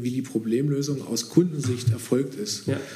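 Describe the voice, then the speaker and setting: Audible room echo surrounds a man speaking at a moderate pace and medium pitch. His tone is dark and mellow, somewhat breathy, with fairly even intonation. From Saxony, Germany (near Bautzen). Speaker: IT company CEO. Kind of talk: interview.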